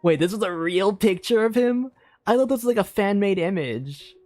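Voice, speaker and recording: A streamer giving casual playthrough commentary, reacting in an excitable, gushing way. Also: medium pitch, moderate pace, no echo, faint music behind.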